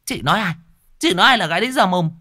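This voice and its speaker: A man voicing an angry middle-aged village widow who scolds shrilly and fast. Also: expressive, sharp tone, full character voice. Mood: furious. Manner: shrill, screeching, rapid scolding.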